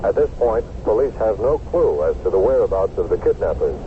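An actor playing a formal radio news announcer reading a bulletin in a drama. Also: male voice, fairly low pitch, animated, a little fast, close to an everyday voice. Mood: urgent, formal. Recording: noisy, tinny old radio broadcast.

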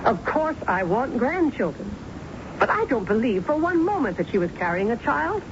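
An actress playing a domineering, wounded middle-aged businesswoman and mother with an American accent, brisk and emphatic in a radio drama. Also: sing-song. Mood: scornful, commanding. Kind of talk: 1970s radio drama acting. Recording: muffled, noisy, rumbly old radio broadcast recording.

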